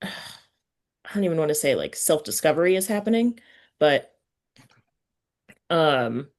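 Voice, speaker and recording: A woman hosting a casual interview, thinking aloud in a halting way and often correcting herself. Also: low voice, very animated. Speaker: podcast host interviewing an author.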